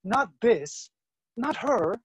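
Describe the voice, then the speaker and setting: Man as a husky, lovestruck young nobleman. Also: very high-pitched, big pitch swings, extremely slow, exaggerated voice. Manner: earnest, romantic. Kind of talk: stage play reading. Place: room at home, video call.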